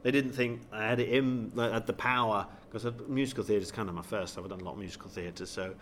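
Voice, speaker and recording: A man's voice: lowish voice, fast, a bit bright, slight background noise. A man, a comedian chatting playfully and enthusiastically as an interview guest. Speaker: guest, comedian and pantomime actor. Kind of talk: animated interview chat with comic wordplay.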